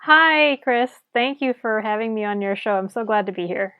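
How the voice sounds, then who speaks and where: A woman's voice: on the high side, expressive, moderate pace, smooth, dry recording. A chatty woman in her forties from Sri Lanka, talking as a guest with lots of fillers and restarts. The sound is dry and a bit muffled, like a home recording. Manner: chatty, many fillers and restarts, laughs easily. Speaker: guest elephant researcher. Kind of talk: casual interview answers.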